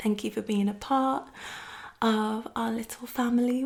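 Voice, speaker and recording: A soft-spoken voice at a fairly slow pace. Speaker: ASMR creator. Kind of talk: casual chat.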